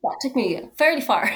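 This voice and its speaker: A woman in her thirties from Canada, a podcast guest telling her own story conversationally in an animated way. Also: on the high side. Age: 30s. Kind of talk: conversational interview, personal storytelling.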